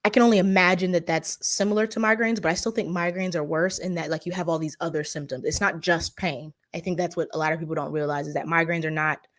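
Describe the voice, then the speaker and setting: A woman from the Bay Area with an African American Vernacular English accent, hosting a casual livestream and chatting with viewers, full of "like" fillers and animated asides. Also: lowish voice, fast, few pauses, no echo, studio quality. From California Bay Area. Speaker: livestream host. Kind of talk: casual livestream chat, reading viewer comments.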